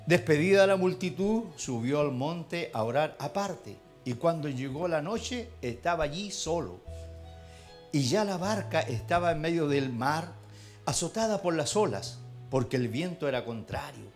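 A Chilean man delivers a church sermon in a slightly raised voice. He talks to the congregation in a folksy, familiar way and builds into fervent prayer. Quiet instrumental music plays underneath. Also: a little high, expressive, measured pace. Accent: Chilean Spanish. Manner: folksy, addresses congregation as brother. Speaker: preacher. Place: church hall.

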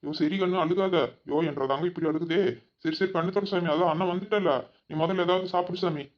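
A man's voice: sits high, fairly even intonation, a little fast, lightly acted. A man voicing a doting, protective village brother in a cartoon, soothing and fussing with repeated endearments. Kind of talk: cartoon voice acting. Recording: dull lo-fi audio.

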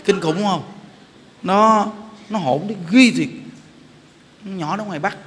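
A middle-aged man gives a sermon as a Buddhist monk, speaking in a high voice. He tells homely stories and keeps checking whether his listeners follow him. The sound carries a long hall echo and a faint hiss behind it. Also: takes it slowly, fairly bright tone. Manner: chatty storyteller, often laughs and asks the audience "hiểu không?". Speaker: Buddhist monk giving a dharma talk. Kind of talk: informal sermon with anecdotes. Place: temple hall. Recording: reverberant hall with faint background noise.

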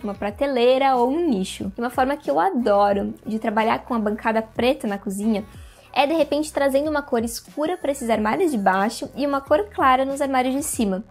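A young woman hosting an interior design video, talking casually to the camera on a lapel mic in a room, with lots of hand gestures. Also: high voice. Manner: chatty, animated hand gestures, addresses viewers directly. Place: indoor room with curtains and plants.

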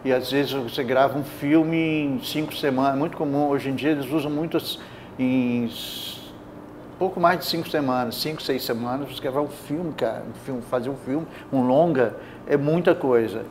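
A man's voice: mid-range voice, normal speed, background noise. Older male actor musing in an interview. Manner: rambling, restarts mid-thought. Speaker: actor guest. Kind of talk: casual studio interview chat. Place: bright indoor TV studio, seated. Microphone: lapel mic.

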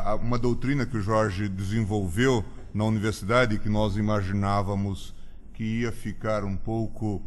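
Low-voiced man, formal and ceremonious. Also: a little hiss or hum. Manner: measured, ceremonious, with frequent hesitations. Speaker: event chair introducing the speaker. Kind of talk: formal lecture introduction. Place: lecture hall.

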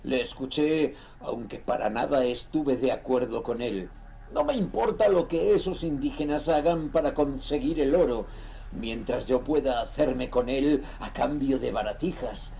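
An actor playing a greedy, ruthless nineteenth-century sea trader, reading his journal in a measured, solemn and theatrical way for a horror audio drama. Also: medium pitch, creaky, warm tone, a little hiss or hum. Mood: stubborn, defiant.

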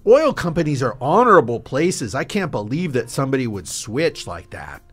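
A man's voice: medium pitch, sing-song, moderate pace, fairly bright tone, breathy edge, soft background music. A man playing an eager, awkward Canadian oil geologist on a dinner date in an improvised radio drama, earnest and chatty.

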